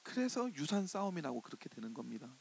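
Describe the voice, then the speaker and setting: A male pastor delivering a sermon in an animated way, acting out the indignant voices of the people in the story. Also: a little high, fast talker, creaky, slight background noise.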